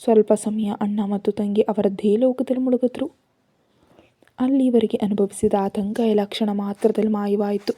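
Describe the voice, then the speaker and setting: A woman reading a dramatic story aloud in a soft, even manner. Her voice is dark, mellow and breathy, with a flat pitch, in a dry close recording. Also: normal speed, dry recording. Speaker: story narrator. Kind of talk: read-aloud narration.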